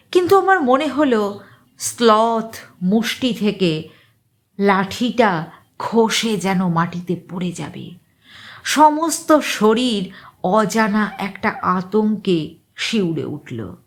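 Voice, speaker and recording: A woman reading an eerie short story aloud as dramatic narration, with a suspenseful delivery and deliberate pauses. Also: lowish voice.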